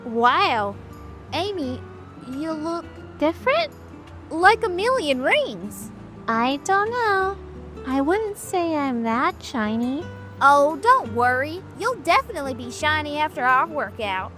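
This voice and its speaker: A woman voicing a friendly, teasing young female cartoon animal with playful, expressive banter in an audio drama. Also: high-pitched, slow pace, faint music behind, full character voice.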